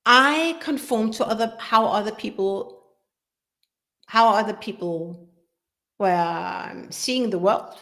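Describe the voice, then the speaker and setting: Slow-speaking woman. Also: fairly high pitch, fairly bright tone. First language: Danish. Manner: earnest, repeats and restarts phrases. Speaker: business coach. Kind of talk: live workshop talk.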